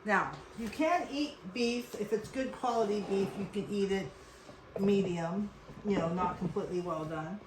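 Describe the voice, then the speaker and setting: Chatty woman hosting a cooking demo. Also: mid-range voice. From born in South Korea, raised in Western Pennsylvania. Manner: chatty, rambling, addresses viewers as folks. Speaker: cooking show host. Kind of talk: casual cooking demonstration. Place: home kitchen. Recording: echoey room, faint noise.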